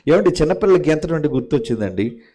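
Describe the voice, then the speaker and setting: A man's voice: on the high side, very animated, very fast, warm tone. A man preaching a sermon in a scolding tone, firing off rhetorical questions at his listeners.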